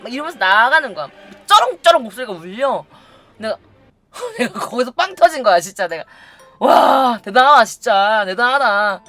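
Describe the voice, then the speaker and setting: A woman's voice: high-pitched, sing-song, normal speed, fairly bright tone. A woman casually telling a funny story to her viewers, acting out other people's lines and laughing often. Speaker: YouTube storyteller.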